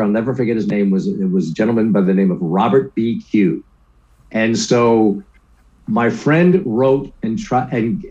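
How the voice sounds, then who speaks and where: Mellow-voiced older man telling stories. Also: mid-range voice, highs cut off. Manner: lively anecdotes, acts out quoted voices, keeps asking "right?". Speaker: guest, sports broadcaster. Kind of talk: casual storytelling interview.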